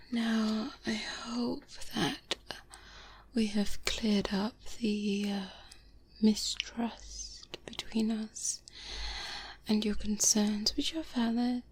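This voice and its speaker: A woman playing a courteous but quietly menacing vampire in a formal, hushed, whispered ASMR roleplay, close to the microphone. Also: fairly high pitch, fairly even intonation. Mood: conciliatory. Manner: formal, deliberate, hushed, measured diplomatic speech. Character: courteous, quietly menacing female vampire, protective, world-weary. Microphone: close-up binaural microphone. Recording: close binaural mic, clear background noise.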